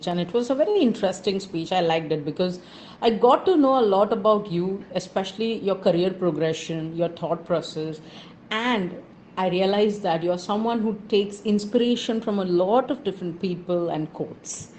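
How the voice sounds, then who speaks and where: Woman, Indian accent, recorded evaluation, emphatic on key points, mid pitch. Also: lively intonation, normal speed, a little mellow, a little hiss or hum, rough recording. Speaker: speech evaluator.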